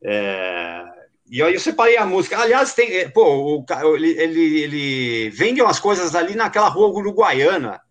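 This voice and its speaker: A man talks through a podcast episode in loose, rambling chat. His voice sits a little high for a man and swings widely up and down as he tells the story, packed with fillers and street slang. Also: sing-song, moderate pace. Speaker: podcast host.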